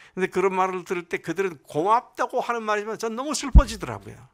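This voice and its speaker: The recording is very clean, the background silent. A man talks. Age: 70s. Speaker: pastor and seminary lecturer. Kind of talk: lecture. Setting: seminar. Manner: animated.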